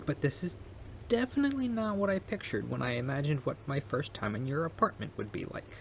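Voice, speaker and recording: A man's voice: a little high, sing-song, fairly quick, vocal fry, a little hiss or hum. A man acting a cute, bashful young neighbor with a crush in an intimate ASMR roleplay, hesitant, sweet and teasing. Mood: bashful, sheepish. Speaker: audio roleplay performer. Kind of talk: intimate ASMR romantic roleplay, soft acted monologue.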